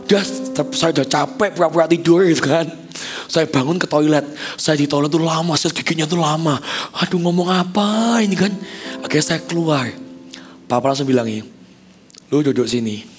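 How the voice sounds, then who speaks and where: A man's voice: a little high, fairly quick, soft background music. A man in his thirties, a pastor telling a personal story in a sermon, talking casually to the congregation and acting out quoted dialogue. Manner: conversational, addresses congregation, acts out quoted dialogue. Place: church stage.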